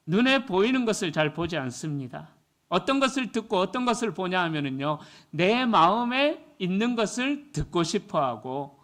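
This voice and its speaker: High-pitched pastor guy w preaching, throws questions at the crowd, does funny voices in jokes. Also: fairly bright tone. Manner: emphatic preaching, rhetorical questions to congregation, acts out joke voices. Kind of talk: sermon.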